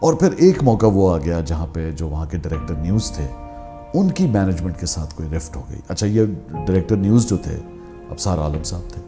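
A middle-aged man from Pakistan, recounting his career in media as an animated storyteller who mixes English phrases into his talk. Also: sits low, brisk, music in the background. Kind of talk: candid memoir conversation.

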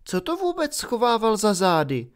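Hermione, a man doing a high, bossy schoolgirl. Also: wildly swooping pitch. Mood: musing. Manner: insistent, exasperated. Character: bossy studious schoolgirl, anxious about exams.

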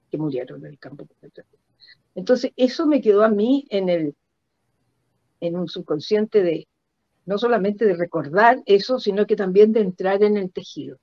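A woman's voice: medium pitch, animated, dark tone, no echo. Older Chilean woman, dull dry call audio. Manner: halting, repeats words for emphasis. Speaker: guest performance artist. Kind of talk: reflective personal storytelling in an interview. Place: indoor room at home. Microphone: computer mic on a video call.

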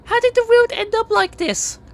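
Gentle, self-doubting audio-play heroine, very high voice, performed by a man. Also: normal speed. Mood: curious. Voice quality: very high-pitched. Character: gentle, good-hearted young woman, self-doubting. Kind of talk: amateur audio play acting.

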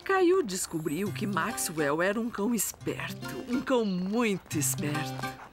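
A woman with a Brazilian accent playing a gentle narrator of a children's cartoon story. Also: medium pitch, sing-song, measured pace. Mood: gentle, storytelling. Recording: music behind the voice.

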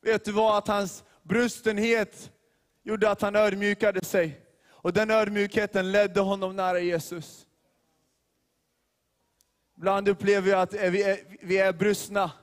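A man preaching a sermon to a gathering, his voice pitched high but held in a narrow, level band. He drives his points home with emphatic repetition and rhetorical questions. Long reverb from a large church hall hangs behind every phrase. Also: flat delivery, pauses often. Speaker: youth leader preaching.

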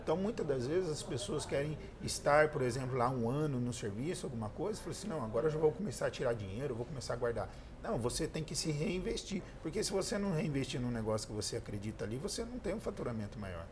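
A man's voice: medium pitch, big pitch swings, quick pace, few pauses, a crowd in the background. A man in his thirties with a Brazilian accent, a guest answering interview questions in an earnest storytelling way. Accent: Brazilian Portuguese. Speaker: guest entrepreneur and speaker. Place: pink decorated studio set, indoors.

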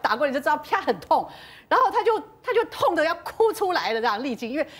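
A woman's voice: sits high, sing-song, fast. A woman telling celebrity gossip as a panel guest, dramatic and full of interjections. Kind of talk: animated gossip storytelling.

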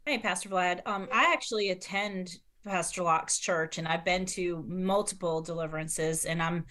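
A middle-aged woman speaks over a laptop video call in a fairly low voice. She recounts her church work in a steady, matter-of-fact way. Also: normal speed. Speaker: church member and deliverance minister. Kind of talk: casual testimony on a video call. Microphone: laptop webcam video call.

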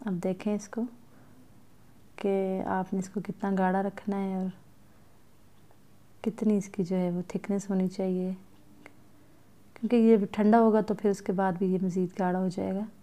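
Woman calmly walking viewers through a recipe. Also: mid-range voice, unhurried, pauses often. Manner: calm, instructive, addresses viewers directly. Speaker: cooking vlogger. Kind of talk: step-by-step cooking narration. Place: home kitchen at the stove.

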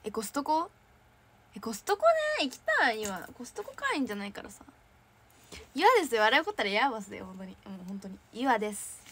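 Young female idol, slightly high voice, bubbly and giggly, casual livestream chat. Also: sing-song, fast, a bit bright, a little hiss or hum. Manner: bubbly, chatty, frequent giggles. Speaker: idol trainee hosting a fan livestream. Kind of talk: casual livestream chat reading viewer comments.

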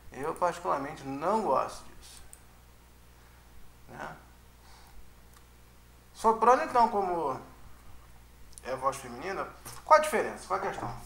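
This music teacher talks in a high, gravelly, bright voice with a forceful edge, keeping his casual online lecture chatty. He often checks in with listeners through tag questions, and the room has a roomy echo.

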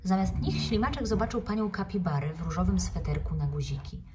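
A woman, an actress, reading a children's book aloud in a calm, measured way. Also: fairly low pitch, distant mic, background noise.

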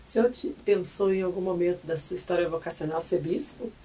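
A woman's voice: on the low side, a little fast, warm tone, far from the mic, rough recording. A woman in her forties hosting a radio interview in a studio, asking friendly conversational questions. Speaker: radio host. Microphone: studio mic on boom arm.

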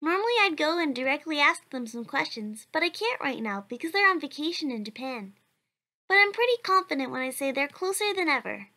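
Woman as bright, high-voiced, sweet child. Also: very animated, a little fast, heavily acted. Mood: upbeat, chatty. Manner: sweet, earnest, chatty. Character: cheerful, kind, determined young child. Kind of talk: cartoon comic dub.

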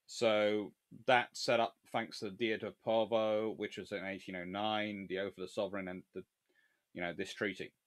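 A man's voice: on the low side, little pitch movement, normal speed. A man giving a long, digressive history lecture on a livestream, sarcastic and openly exasperated at blunders.

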